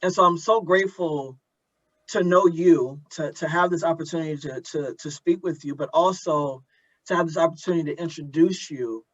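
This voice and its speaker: A man with a fairly high-pitched voice hosts an earnest conversation. He is reflective and halting, often repeating words as he works toward a point. The recording is a little dull and lo-fi. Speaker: interviewer and host of an audio drama community event. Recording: dull lo-fi audio.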